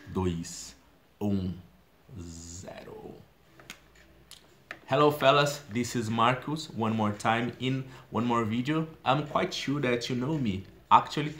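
A man in his thirties from São Paulo with a Brazilian Portuguese accent, talking in a casual video diary. He is chatty and expressive and leans on fillers. He records himself on a phone in a small room. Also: mid-range voice. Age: 30s. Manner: chatty and expressive, gestures a lot, many "you know" fillers. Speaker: language learner vlogger. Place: small indoor room with a plain wall. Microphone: phone camera at arm's length.

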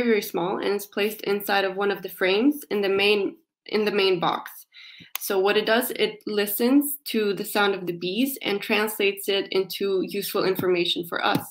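A woman's voice: mid-range voice, poor audio. A young woman in her twenties, a company representative, explaining casually in a remote interview with many fillers, heard over a video call from a small room. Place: small indoor room, plain wall. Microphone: video call, laptop camera.

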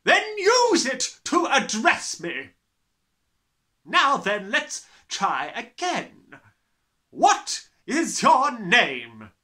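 Man playing bellowing tyrant headmistress, high and furious. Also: huge pitch swings, bright, forceful tone, full character voice. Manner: scornful, drawn-out, menacing. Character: huge, bullying, furious tyrant headmistress, adult woman.

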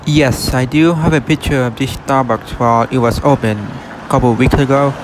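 A man's voice: mid-range voice, fairly even intonation, normal speed, rough recording. A man narrating a casual walkthrough vlog outside a closed shop, filming on a handheld phone with plain, simple remarks. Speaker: retail exploration vlogger. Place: outdoors on a city street by a closed shop. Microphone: handheld phone camera. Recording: faint outdoor street noise. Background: faint street and car noise.

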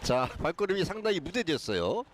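High, animated male athletics analyst. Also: a little fast. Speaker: sports analyst commentator. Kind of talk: explanatory live athletics commentary.

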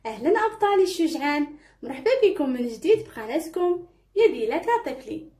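Moroccan woman, children's teacher, high and lively, encouraging, echoey room. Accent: Moroccan Arabic. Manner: encouraging, drawn-out repeated syllables. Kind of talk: children's phonics lesson.

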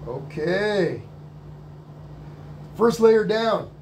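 A man's voice: high voice, lively intonation, extremely slow, darkish tone, slight background noise. A man with a slight cold leading a live painting lesson indoors, reading out viewer comments and encouraging them. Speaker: painting instructor. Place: indoor art studio.

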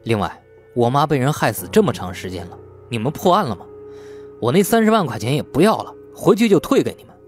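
A man's voice: medium pitch, big pitch swings, fast, faint music behind, natural voice. A man voicing an aggrieved, defiant young man in an audiobook, argumentative and sarcastic. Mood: threatening. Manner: indignant, argumentative.

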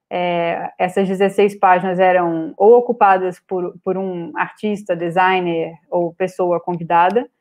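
A woman with a Brazilian Portuguese accent giving an online lecture over slides, pausing often with fillers and restarts. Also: mid-range voice, darkish tone. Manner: hesitant, many filler "é" and restarts. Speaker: guest speaker on art publishing. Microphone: video call webcam.

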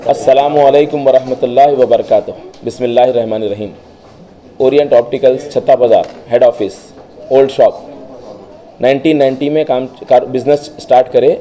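A man's voice: medium pitch, fairly even intonation, fairly quick, dark tone, rough recording. A man who owns an optical shop, speaking at a press event in his crowded store and promoting its services. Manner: promotional, listing services and phone numbers. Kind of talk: press statement. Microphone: cluster of press microphones on table.

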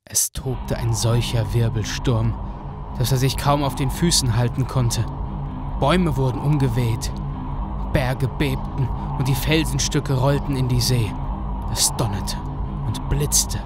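A man narrating a fairy tale for a radio play in a calm, measured way. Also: mid-range voice, over loud music.

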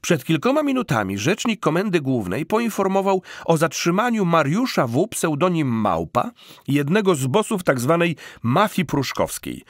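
A man's voice: fairly high pitch, no echo, clean studio sound, voice pushed up. A man voicing a male radio news presenter, reading formally and emphatically as in an audiobook.

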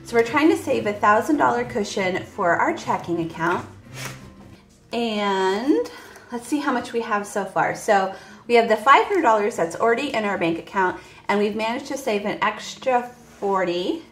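A woman's voice: a little high, lively intonation, normal speed, a bit bright, echoey room, slight background noise. A woman in her forties, chatting casually to viewers about her budget while counting cash at a table. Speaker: budgeting vlogger. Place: indoors at a table. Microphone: voice heard over top-down table camera, hands only.

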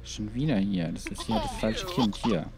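A man's voice: fairly low pitch, normal speed, music in the background. A man hosting a let's play, talking casually to his game characters with muttered asides and frequent exclamations. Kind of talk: gaming commentary.

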